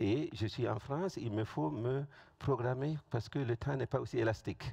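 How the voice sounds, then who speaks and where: A man's medium-pitched voice with a dark, mellow tone, vocal fry, lively intonation and a West African accent, at a moderate pace, dry and close with no echo against a quiet background. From Burkina Faso. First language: Fulfulde (speaking French). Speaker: missionary preacher. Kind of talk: testimony.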